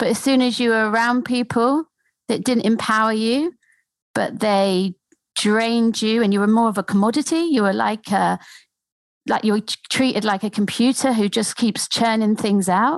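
A woman speaks at a moderate pace in an unremarkable speaking voice, pitched fairly high. The sound is dry and close, with no echo. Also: ordinary pitch variation, very even loudness. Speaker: life coach, podcast co-host. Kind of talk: podcast interview.

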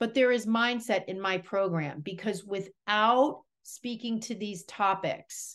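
With a quiet background behind her, a woman speaks at a very slow pace in a medium pitch. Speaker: yoga teacher coach and podcast host. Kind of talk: solo podcast monologue. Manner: animated.

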